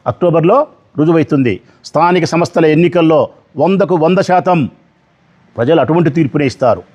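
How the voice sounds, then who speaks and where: A middle-aged man delivers a political press statement. His voice sits fairly high for a man. He speaks combatively, firing off rhetorical questions. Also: fairly quick, a little mellow.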